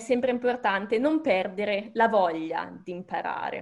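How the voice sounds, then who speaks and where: A woman speaks in a normal speaking voice at a moderate pace, her intonation lively. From northern Italy, near Lake Maggiore. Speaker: online Italian teacher. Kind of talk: interview.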